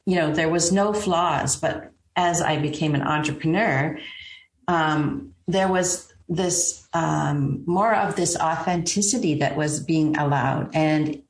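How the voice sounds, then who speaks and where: Lower-voiced woman in an echoey room. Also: slow pace. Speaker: branding expert guest. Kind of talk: casual interview chat.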